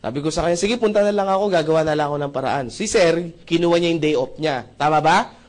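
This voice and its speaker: A young man from the Philippines giving an animated testimonial at a seminar, acting out conversations and often asking the audience to agree. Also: fairly high pitch, fast talker. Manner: acts out dialogue with shifting voices, asks audience often. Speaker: seminar speaker.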